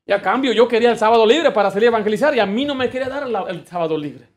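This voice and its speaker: A male pastor delivers a fervent sermon. His voice sits high for a man, and he keeps weaving in homely stories from his working days. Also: lively intonation, rapid-fire. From United States. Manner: fervent preaching with personal work anecdotes.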